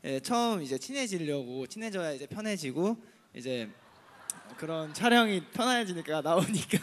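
A man's voice: a little high, sing-song, moderate pace, a little hiss or hum. A man in his twenties, an idol guest, telling rambling anecdotes in casual talk on stage with a handheld mic. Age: 20s. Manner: rambling storyteller, laughs often. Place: large concert hall stage. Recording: live hall reverb.

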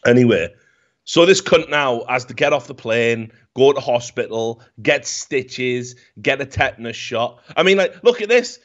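A man, swearing freely and telling a story loudly in a casual chat, on a headset mic. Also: medium pitch, normal speed, dull audio. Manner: profane, animated storytelling, gets loud when worked up. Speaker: podcast host. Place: home room, indoors. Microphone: headset with desk mic.

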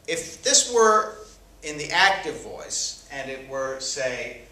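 A man's voice: medium pitch, sing-song, takes it slowly, bright, forceful tone. A man teaching a sentence-diagramming lesson, thinking aloud with frequent fillers as he works at a board. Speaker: grammar teacher. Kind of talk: whiteboard grammar lesson. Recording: echoey room, mic far off.

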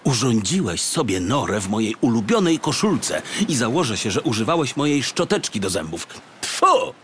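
A man's voice: medium pitch, sing-song, moderate pace, fairly bright tone, a little hiss or hum. A man voicing a weary, irritable male detective on holiday in a storybook, with a grumbling manner. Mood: exasperated. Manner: grumbling, exasperated.

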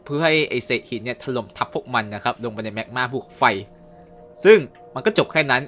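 A young man casually recapping and reviewing a cartoon episode, chatty with quick asides. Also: medium pitch, animated, a bit bright, soft background music.

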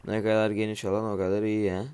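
A man's voice: on the low side, little pitch movement, fast, darkish tone, clear, resonant tone. A man giving casual let's-play commentary at home, just woken up and groggy, muttering to himself while he builds and tossing asides to viewers. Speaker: gamer streaming his play.

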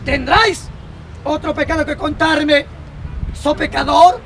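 A man's voice: very high voice, fairly even intonation, a little slow, fairly bright tone, exaggerated voice. A man voicing a solemn village priest who questions formally and preachily. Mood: preachy. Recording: outdoor street crowd noise.

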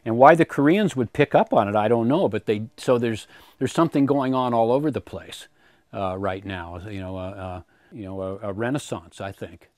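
On a casual walk through his garden and pantry, an American man in his eighties rambles in a relaxed way, repeating words as he gathers his thoughts. His voice sits on the low side, at normal speed, with no echo.

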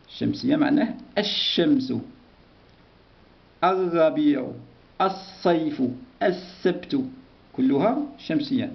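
A man teaching a grammar lesson to young pupils, slow and repetitive, often praising the class. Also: on the high side, vocal fry, muffled recording.

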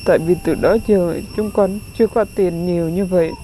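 A tearful woman who collects waste for a living, speaking slowly, haltingly and humbly. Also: on the low side, steady tone, dark tone, slight background noise. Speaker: aid recipient, a poor waste-collecting mother. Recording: light background music.

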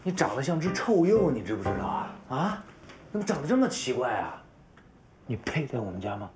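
A man's voice: mid-range voice, huge pitch swings, a little fast. A man in his thirties playing a harried, placating husband in a TV drama, stammering and coaxing in a natural style. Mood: exasperated. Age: 30s. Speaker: actor in a television family drama. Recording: music behind the dialogue.

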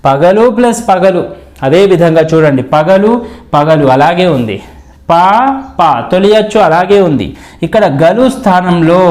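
A man's voice: sits high, a little mellow. A male teacher explaining a grammar rule step by step, asking questions and answering them himself.

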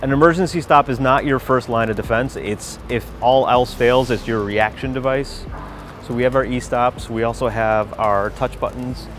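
A man talks through safety equipment on a big factory floor, energetic and eager. A lapel mic picks him up cleanly, with music playing underneath. His pitch sits in an ordinary middle range. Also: normal speed. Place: large factory floor indoors. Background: background music.

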